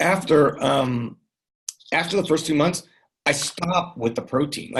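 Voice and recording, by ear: A man's put-on character voice, raspy and hoarse, fairly high in pitch with ordinary pitch variation, at a fairly slow pace with very even loudness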